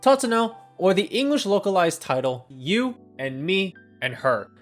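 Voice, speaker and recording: Scripted reviewer voice, animated pitch, faint music underneath, earnest delivery. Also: moderate pace. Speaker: video essay reviewer.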